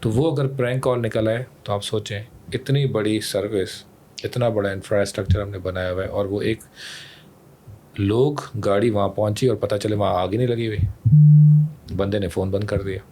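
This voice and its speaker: Speaking at a normal speed in a fairly low, steady, slightly mellow voice, a Pakistani-accented man describes his emergency rescue service on a podcast. He's an official there and sprinkles English phrases into his talk, with clear background noise behind him.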